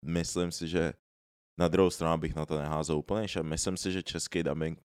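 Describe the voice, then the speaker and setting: Low-voiced man, rambling casual chat. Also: flat delivery, darkish tone, smooth, no room sound, clean studio sound. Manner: rambling, slangy, mixes English phrases. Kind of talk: casual chat among friends.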